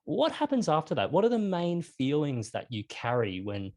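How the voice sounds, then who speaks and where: A man with an Australian accent interviewing a guest, friendly and engaged, asking lively follow-up questions. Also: fairly high pitch, moderate pace. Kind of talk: conversational interview.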